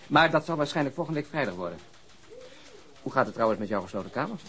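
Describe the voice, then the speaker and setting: A man's voice: medium pitch, animated, quick pace, fairly bright tone, close to an everyday voice. Actor as a blunt, chatty policeman. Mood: amused, chatty. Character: hurried, irreverent, chatty male police colleague. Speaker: radio drama actor. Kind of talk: naturalistic radio play dialogue.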